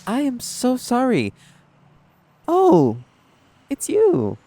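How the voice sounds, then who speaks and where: A man's voice: very high-pitched, huge pitch swings, very slow, dark tone, a little hiss or hum, full character voice. A man playing a sinister doctor villain in an audio drama, mockingly polite and falsely caring. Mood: falsely friendly. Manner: falsely solicitous, gloating, drawn out. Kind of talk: scripted audio roleplay acting.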